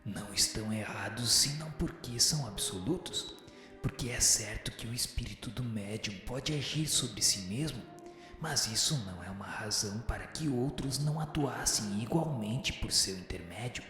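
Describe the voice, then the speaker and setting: A wise male spirit played by a man speaks in a low, solemn register, drenched in echo. He instructs patiently and formally, as in a radio play, with music playing underneath. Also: expressive, close to an everyday voice. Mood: solemn, instructive. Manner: didactic, formal, measured. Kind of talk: scripted radio drama reading of a spiritual text. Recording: very echoey hall-like reverb with music behind.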